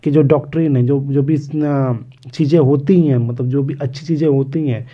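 A man teaching an exam lesson on English literature, reading English passages slowly and explaining them with many hesitations. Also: medium pitch, fairly even intonation. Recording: dull lo-fi recording.

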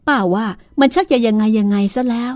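A woman's voice: on the high side, a little fast, a little mellow, no echo, faint music behind, close to an everyday voice. A woman voicing a worried, tearful elderly aunt who frets and pleads. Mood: fretful.

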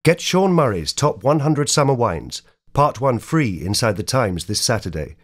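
A man's voice: medium pitch, very animated, moderate pace. A man who works as a voice-over actor, reading scripted ads, verse and prose in a polished, theatrical way. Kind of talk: voice-over demo reel of ads, poems and dramatic readings.

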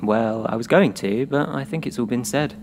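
A man's voice: medium pitch, moderate pace, slight background noise, close to an everyday voice. A man, cast as a weary, sardonic scientist and loner poet in a naturalistic audio drama. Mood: dry. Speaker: actor. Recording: loud background ambience.

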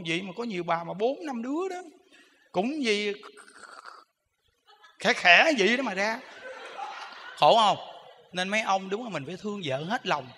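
A man's voice: high voice, bright, forceful tone, long reverb tail, a little hiss or hum. A man with a Southern Vietnamese accent giving a humorous dharma talk as a Buddhist monk. He is chatty and teasing, and keeps asking the audience whether they agree.

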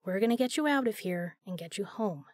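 A woman's voice: mid-range voice, lively intonation, a little fast, no echo, clean studio sound, lightly acted. A woman playing a tough, capable spy in an audio drama, flirty yet caring. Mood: gentle, soothing. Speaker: voice actor in a fan audio drama. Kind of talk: audio drama acting, intimate.

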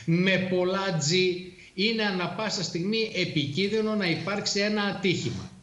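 A middle-aged man, a former air force pilot, explaining things in a measured way with frequent hesitations on a studio talk show. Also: high voice, a bit bright, roomy sound.

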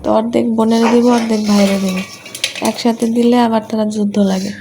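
A woman in her thirties with a Gazipur Bangla accent talks viewers through each dish in her home kitchen. Her voice sits a little high and has a gravelly, creaky edge. She keeps a chatty home-vlog tone throughout. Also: level tone, fast, background noise. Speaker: mother and home cooking vlogger. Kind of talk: casual home vlog narration.

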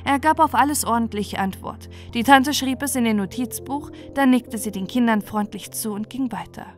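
A woman's voice: fairly high pitch, normal speed. A woman narrating a bedtime fairy tale as a storyteller. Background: music.

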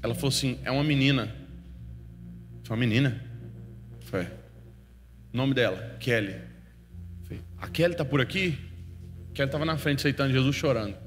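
Emotional preacher in a reverberant hall. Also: male voice, mid-range voice, moderate pace, long pauses. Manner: emotional storytelling, swings from hushed to loud. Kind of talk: sermon storytelling. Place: church hall. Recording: long hall reverb with faint music.

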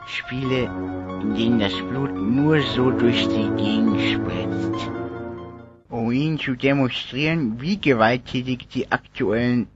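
A man's voice: mid-range voice, lightly acted. A man playing a grave, indignant crusader against violence, presenting a mock TV report in a cartoon satire. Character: alarmist male anti-video-game TV crusader, grave and indignant. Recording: dull recording over loud music.

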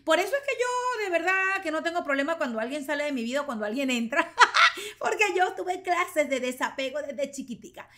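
High, bright, animated woman in her forties. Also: a little fast. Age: 40s. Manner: animated, laughing, gesturing with both hands. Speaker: podcast host. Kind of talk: casual storytelling monologue. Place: small studio with purple backdrop. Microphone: studio microphone with headphones.

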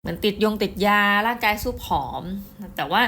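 A middle-aged woman giving a casual book review, chatty and excitable, often speaking straight to her viewers. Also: medium pitch, a little fast. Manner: chatty, addresses viewers directly, excitable storytelling.

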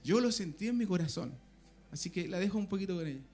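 A man's voice: high-pitched, expressive, quick pace, a little mellow, faint music behind. A man with a Chilean accent gives an impassioned church testimony, often calling listeners brother. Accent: Chilean Spanish. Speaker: church member giving testimony. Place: evangelical church meeting.

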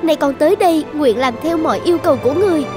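A woman playing a devout, self-sacrificing young tribal maiden in an animated folktale, earnest and reverent. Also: high-pitched, racing, music in the background. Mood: reverent pleading. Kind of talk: dubbed animated folktale acting.

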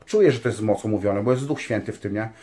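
A man's voice: on the low side, fast talker. Rambling, earnest man musing aloud. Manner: rambling, earnest, full of fillers and tag questions; addresses listeners warmly as "dear ones". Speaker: religious vlogger. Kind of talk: casual spiritual monologue.

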